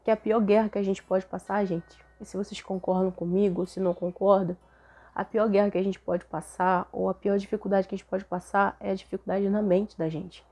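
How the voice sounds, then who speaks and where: A young Brazilian woman with a Brazilian Portuguese accent, hoarse and a little nasal from a cold, chatting casually to camera as host of her faith channel, often tagging her sentences with questions. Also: medium pitch, flat delivery, a little fast, darkish tone. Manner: chatty, frequent tag questions.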